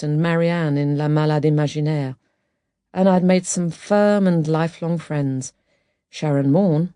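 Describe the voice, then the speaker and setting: A woman narrating an autobiography audiobook in a measured, expressive storytelling manner. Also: low-pitched, no echo, studio quality. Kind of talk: scripted memoir narration.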